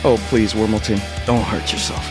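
A man's voice: on the low side, level tone, natural voice. A man voicing a grandiose, mocking villain dog scientist in a superhero cartoon, drawing out his gloating theatrically. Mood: smug, scheming. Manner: theatrical, menacing, drawn-out gloating. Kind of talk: animated superhero cartoon acting. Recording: music behind the voice.

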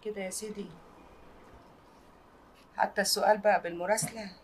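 A woman's voice: medium pitch, steady tone, a little hiss or hum, close to an everyday voice. An actress with an Egyptian accent playing a proud, devoted mother who works hard to raise her son, speaking in a homely, emphatic way. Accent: Egyptian Arabic. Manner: homely, emphatic, quick to plead. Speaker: working mother. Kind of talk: Egyptian TV drama acting.

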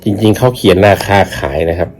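A man hosting his own channel, casually reviewing a stress supplement, talking in an unhurried, halting way and repeating phrases as he goes. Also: low-pitched, fairly even intonation, darkish tone, faint music behind. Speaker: YouTube channel host. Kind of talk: casual product review vlog.

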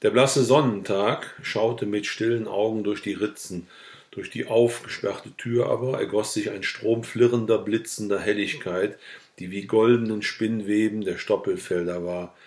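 A man reading a classic novel aloud as an audiobook, in calm, even narration. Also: on the low side, measured pace. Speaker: audiobook reader.

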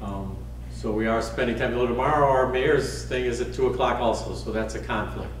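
A man chairing a council meeting as mayor, giving a formal update in a measured way with frequent ums. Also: medium pitch. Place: wood-paneled council chamber. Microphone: desk microphone from a far camera. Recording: roomy chamber, distant mic, faint hiss.

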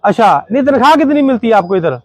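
A man's voice: very high-pitched, expressive, very fast, low-quality recording. A man, a charity volunteer, questioning people outdoors in a village and appealing to viewers in an emotional, pleading and consoling way. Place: outdoors in a village among a crowd. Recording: crowd chatter behind.

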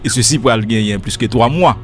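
A man's voice: mid-range voice, fast talker, faint music behind. A man hosting a radio interview, setting up long questions with rising emphasis. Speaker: radio host.

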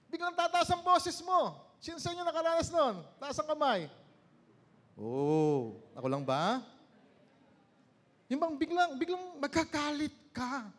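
Male pastor, high voice, lively sermon with call-and-response questions and sudden drops to slow, quiet stress. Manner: preaches in Tagalog mixed with English, asks the congregation questions; swings from loud exclamations to slow, low emphasis.

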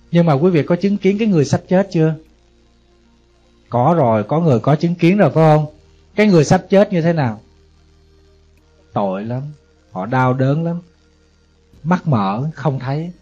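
A man with a slightly high, dark-toned voice preaches a Buddhist sermon as a monk with a Southern Vietnamese accent. He talks conversationally and puts rhetorical questions to the audience. The recording is dull and lo-fi, with faint music behind him.

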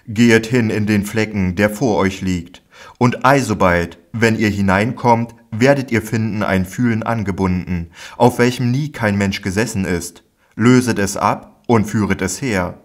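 Male reader voicing a commanding teacher figure for an audiobook Bible: lowish, calm, solemn. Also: unhurried, lightly acted.

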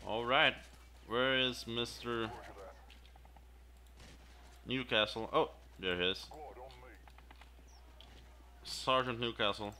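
A man's voice: medium pitch, steady tone, slow pace, pauses often, bright, forceful tone. A man giving casual commentary over his own gameplay, muttering reactions and repeating the game's lines back. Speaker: gameplay video host.

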